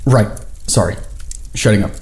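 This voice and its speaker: A man's voice: on the low side, normal speed, very noisy, natural voice. A man playing an awkward, fretful fellow in an audio drama, hesitant and apologetic with a dry streak. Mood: sheepish. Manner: hesitant, apologetic, dryly teasing. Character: awkward, fretful, teasing man, old acquaintance.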